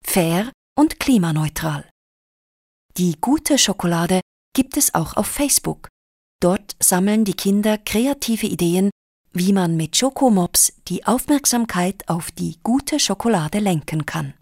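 A woman's voice: mid-range voice, expressive, measured pace, a little mellow, dry recording, studio quality. A woman playing an upbeat radio magazine presenter, reading a scripted report articulately.

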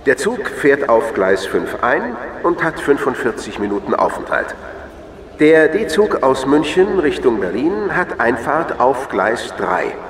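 A man's voice: medium pitch, sing-song, measured pace, crowd noise. Male railway announcer, acted, formal and emphatic, distant and very roomy tannoy sound with light station noise. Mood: formal, alerting. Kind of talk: scripted public address announcement.

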